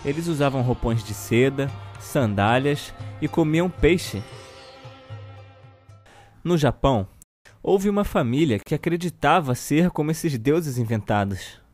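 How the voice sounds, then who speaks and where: A man with a Brazilian accent playing a children's TV uncle who reads a storybook slowly and deliberately to children. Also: medium pitch, expressive, a little mellow, faint music behind, lightly acted. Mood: storytelling. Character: children's TV show host uncle reading a satirical storybook. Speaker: storyteller host of a kids' show.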